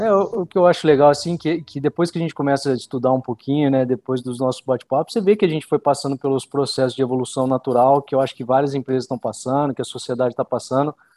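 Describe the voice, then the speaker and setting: A man speaks very fast with hardly any pauses, his fairly high pitch showing ordinary variation. His tone is dark and mellow, in a dry, close sound with no echo. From Minas Gerais, Brazil. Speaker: factory manager. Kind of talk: interview.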